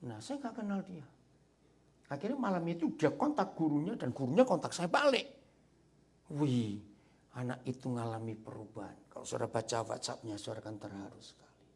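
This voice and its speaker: A male pastor preaching in church, telling a personal story with frequent asides to the congregation. His voice is gravelly and a little husky. His pitch leaps and dips in a very animated way. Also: brisk. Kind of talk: sermon. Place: church sanctuary.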